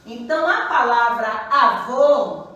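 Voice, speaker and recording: A woman's voice: a little high, expressive, sharp tone, heavy reverb, far from the mic, lo-fi sound. A woman teaching a grammar lesson to children, patient, often checking in with her pupils. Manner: slow, patient, repeats questions to pupils. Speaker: primary school teacher.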